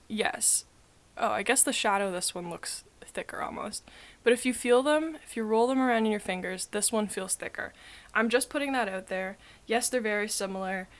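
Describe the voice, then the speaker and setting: A woman, sounding sniffly and talking through a crochet tutorial in a chatty, rambling way full of fillers. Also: on the high side. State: sniffly with a cold. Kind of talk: casual spoken tutorial.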